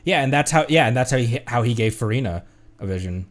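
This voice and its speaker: A male streamer with a mid-pitched voice gives casual game commentary. He muses in a rambling way and often circles back to repeat a phrase. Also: expressive, quick pace.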